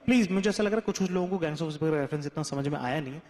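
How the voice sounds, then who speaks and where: A man doing stand-up comedy in Hindi, telling a story with acted-out quotes and moving from hushed asides to shouting. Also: a little high, very fast. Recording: echoey hall with audience noise.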